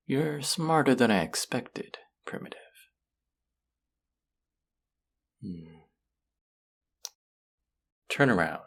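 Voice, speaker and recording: A man playing a haughty, cruel yet curious alien buyer in an audio roleplay, talking down to the listener in a deliberate, condescending murmur. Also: deep voice, vocal fry, fairly bright tone, exaggerated voice. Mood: commanding, condescending.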